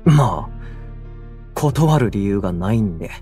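An actor playing a blunt, hot-headed young male idol singer in a Japanese voice drama, brash and outspoken with a husky voice. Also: fairly low pitch, expressive, a little slow, mellow, soft background music. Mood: wary, grumbling.

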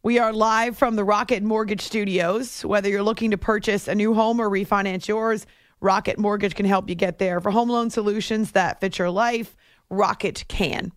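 A woman hosting a sports radio show in a chatty, animated monologue from a studio. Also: medium pitch, moderate pace, no echo. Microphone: close studio microphone.

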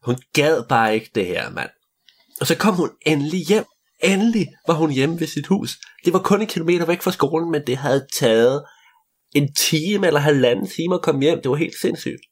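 A man's voice: fairly high pitch, lively intonation. A young man taking turns in an improvised story, playful and adding sound effects.

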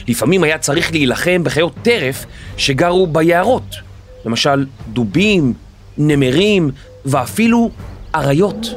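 A man hosting a history podcast, telling the story in a lively, animated scripted narration. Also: fairly high pitch.

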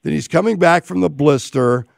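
A raspy, gravelly-voiced man hosts a sports talk show, talking through a game in a loose, rambling way. The sound is close and dry, with no room around him. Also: fairly high pitch, normal speed, no room sound. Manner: rambling, conversational analysis.

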